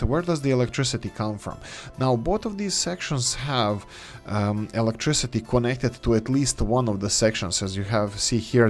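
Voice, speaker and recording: A man hosting a gameplay video who thinks aloud as he plays, speaking English as his third language and often pausing with fillers and restarts. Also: medium pitch. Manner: hesitant, many fillers and restarts. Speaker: game let's-play host.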